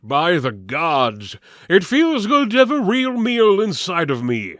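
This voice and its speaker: A man voicing a gruff, hearty, axe-wielding warrior in a dramatic fantasy story reading, declaiming emphatically. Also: high voice, wildly swooping pitch, slow, a bit bright, dry recording, clean studio sound, pitched above the performer's own voice, exaggerated voice.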